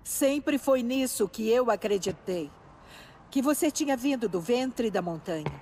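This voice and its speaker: An actress playing a devout, solemn old tribal matriarch in a video game, earnest and reverent. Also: female voice, on the high side, expressive, measured pace, dark tone, a little hiss or hum.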